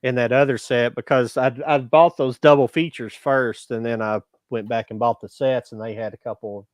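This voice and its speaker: A man's voice: medium pitch, steady tone, normal speed, dry recording. A man hosting a casual movie podcast who explains his views at length in a reflective way. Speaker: podcast host.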